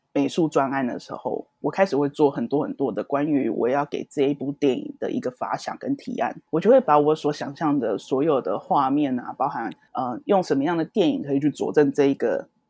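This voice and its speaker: A fairly quick pace with hardly any pauses. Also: quiet background. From southern Taiwan, Kaohsiung. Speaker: film and TV art director. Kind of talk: interview. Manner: hesitant with many fillers.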